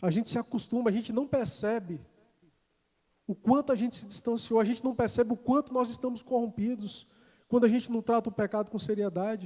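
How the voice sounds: With a dark, mellow tone, a man talks fairly quickly at an extremely high pitch, keeping his intonation fairly even.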